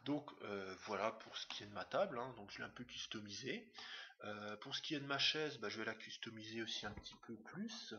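Bright-voiced man, fast fillered tutorial. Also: lowish voice. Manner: fast, hesitant, many fillers. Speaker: software tutorial instructor. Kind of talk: screen-recorded software tutorial. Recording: dull lo-fi mic with faint hiss.

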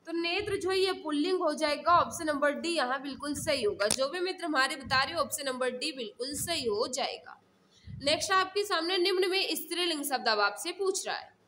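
A woman's voice: high voice, expressive, brisk, pushed and bright, slight background noise. A woman teaching an online exam class, reading out questions and explaining answers, repeating key phrases for her viewers. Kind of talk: live mock-test lesson, reading questions and explaining answers.

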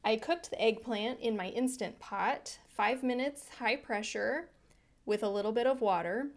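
A woman's voice: on the high side, unhurried. A woman hosting a home cooking channel, narrating her meals in a friendly, chatty voice-over that explains each step. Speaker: vegan cooking channel host.

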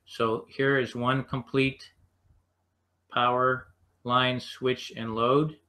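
American man teaching, halting explanatory delivery. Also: mid-range voice, level tone, pushed and bright. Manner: explanatory, halting, stepwise phrasing. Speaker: HVAC instructor. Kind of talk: unscripted slide lecture.

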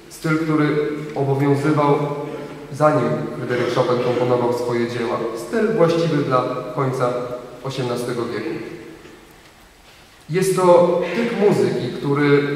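A young man hosting a concert, giving a measured, lecturing introduction read from notes on stage. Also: medium pitch, a little hiss or hum. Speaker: concert host. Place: large concert hall, on stage. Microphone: stand mic, recorded from far in the hall. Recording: very echoey hall from far off.

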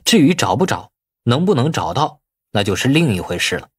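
A man's voice: mid-range voice, very animated, brisk, slightly rough, dry recording. A man voicing a wily, outwardly deferential nephew in an audiobook, glib and colloquial in his arguing. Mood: indignant muttering. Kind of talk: audiobook character acting.

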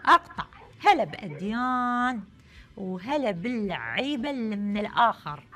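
Music plays in the TV studio while a young woman with an Iraqi Arabic accent runs a call-in game show. Her high voice is very animated, a little fast, and a bit bright, and her playful, effusive presenting leans on repeated phrases.

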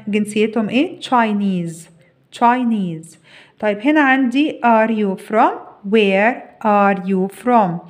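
A woman with an Egyptian accent teaching English to children, explaining step by step, asking and answering her own questions and carefully sounding out example phrases. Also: on the high side. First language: Arabic. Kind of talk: explanatory lesson, reading English phrases and translating them.

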